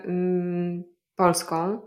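A woman's voice: on the low side, monotone, drawn-out words, a little mellow. Explaining woman in a roomy space. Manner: explanatory, thinks aloud with fillers. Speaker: polyglot guest. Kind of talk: casual interview conversation.

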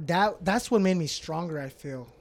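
Podcast guest: man, early thirties, fairly high voice, loose and rambling, swears a lot. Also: lively intonation, normal speed. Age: 30s. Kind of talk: casual chat.

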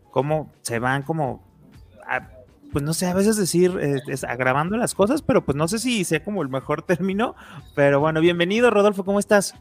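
Mexican guy hosting a radio show, chatty, lots of ums and restarts, faint music behind. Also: a little high. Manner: loose and chatty, many fillers and restarts. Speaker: podcast host. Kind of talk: radio interview.

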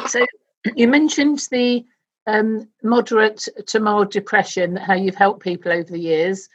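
A woman's voice: medium pitch, fairly even intonation, a little slow, highs cut off, slight background noise. A woman hosting an interview, asking chatty questions and often repeating her opening words. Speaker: interviewer, host. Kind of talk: radio interview.

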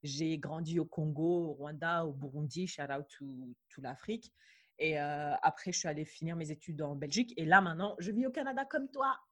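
A young woman from Mauritania with a slight English-influenced French accent, co-hosting a podcast in relaxed chat that switches between French and English. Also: deep voice, fairly quick. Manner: code-switching, laughs easily. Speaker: podcast co-host.

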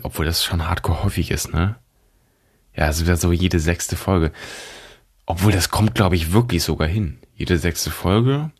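Young man with a deep, stuffy-nosed voice. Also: breathy edge. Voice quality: stuffy, congested nose. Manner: informal German youth slang with English words. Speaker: podcast host. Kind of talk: rambling solo podcast chat.

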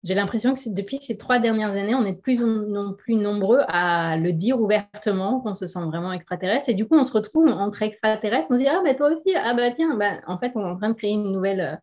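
A woman's voice: medium pitch, lively intonation, fast talker, hardly any pauses, a little mellow. Middle-aged woman guest, lo-fi audio. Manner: earnest, often laughing, many hesitations. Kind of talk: casual interview conversation. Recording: dull lo-fi audio.

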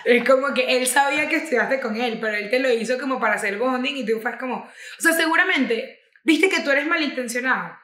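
A woman's voice: high-pitched, brisk, hardly any pauses. A young woman with a Venezuelan accent telling slangy stories in casual podcast chat, acting out quotes as she goes. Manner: lively storytelling, acts out quotes, slangy. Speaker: podcast co-host. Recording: roomy echo.

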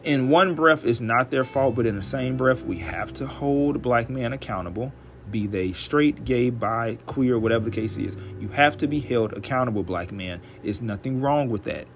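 Hoarse, chatty man with blunt talk. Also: mid-range voice. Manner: chatty, blunt, profane, drawn-out emphasis. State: hoarse, dry throat. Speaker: podcast host. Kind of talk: casual solo podcast monologue.

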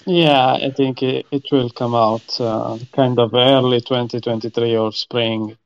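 A man of ordinary pitch who leads a relaxed conversation, nudging the others with short questions. The audio sounds somewhat dull and lo-fi. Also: measured pace, clean tone. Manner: steers the talk with questions. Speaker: podcast host. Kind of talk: casual gaming chat.

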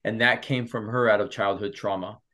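Brief: low-voiced male pastor, earnest, storytelling guest on a chat show. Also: fairly even intonation, a little fast, a bit bright. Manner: earnest, personal storytelling with frequent restarts. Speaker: pastor and marriage coach. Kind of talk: casual interview.

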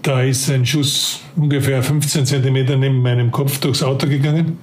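A man's voice: medium pitch, fairly even intonation, brisk, a little hiss or hum. A man in his fifties with a Carinthian Austrian accent, speaking as an interview guest in a reflective way, often repeating words as he searches for them. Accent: Carinthian Austrian German. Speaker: interview guest, former police officer. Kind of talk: casual interview talk.

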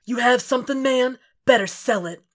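A woman's voice: fairly high pitch, normal speed, voice pushed up, natural voice. A woman voicing a grim, impatient male vigilante in a story reading, with terse and threatening delivery. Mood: menacing.

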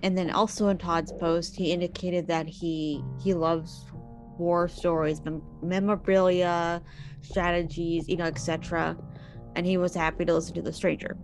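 Chatty woman, lowish voice, soft music. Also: level tone, moderate pace. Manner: chatty, with personal asides. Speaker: podcast host. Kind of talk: casual storytelling.

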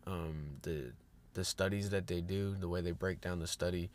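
Congested deep-voiced man hosting a podcast. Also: steady tone, moderate pace. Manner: upbeat, rambling with fillers and restarts. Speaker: fitness podcast host. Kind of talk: casual podcast monologue.

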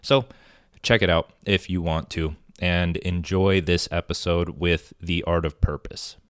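A man's voice: deep voice, steady tone, a little slow, clean tone. A man hosting a podcast, chatting loosely and swearing freely over a remote call. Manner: casual, swears freely, rambling. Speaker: podcast host. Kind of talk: casual chat. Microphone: headset-style headphone mic over video call.

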